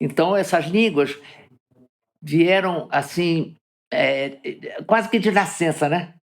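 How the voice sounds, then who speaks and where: Her loudness very even, a woman of fairly low pitch speaks at a very slow pace with ordinary pitch variation and long, frequent pauses. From Brazil, Rio de Janeiro. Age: 90s. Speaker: translator. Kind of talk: interview. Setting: in her bedroom at home.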